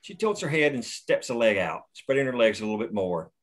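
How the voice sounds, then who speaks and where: A man's voice: medium pitch, very animated, brisk. A man plainly reading the action lines and stage directions at a screenplay table read.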